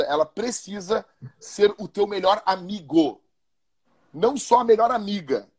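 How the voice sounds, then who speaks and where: A man's voice: high-pitched, darkish tone, husky. A male pastor, talking casually and animatedly, often repeating and restarting his words. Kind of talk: casual podcast talk about marriage.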